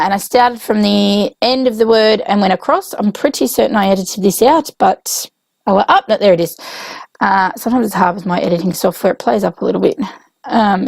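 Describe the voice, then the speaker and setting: A woman talks through her craft project in a loose, rambling way, stopping to correct herself and filling gaps with ums. Her voice is hoarse and gravelly from being sick. The sound is close and dry. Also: mid-range voice, darkish tone, dry recording. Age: adult with a young child. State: hoarse, voice coming and going from illness. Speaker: scrapbooking crafter narrating her process. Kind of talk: casual voice-over narration of a craft video.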